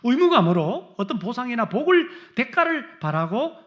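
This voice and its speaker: A middle-aged male pastor preaching a sermon, acting out complaints in a raised voice and then dropping low and quiet. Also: big pitch swings, normal speed, muffled recording.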